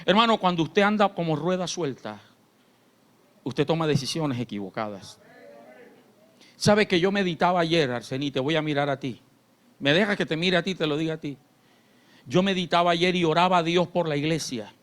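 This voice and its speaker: A man pastor, preaching a sermon in church. His delivery swings between shouted fervor and quiet, confiding talk. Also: a little high, expressive, normal speed, pauses often. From Colombia. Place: church sanctuary.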